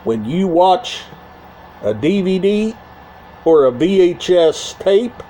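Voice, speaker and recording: A man hosting a casual video, talking in short, halting phrases and often repeating himself. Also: high-pitched, very animated, warm tone, slight background noise. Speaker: YouTube channel host. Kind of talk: casual talk to camera about a media collection.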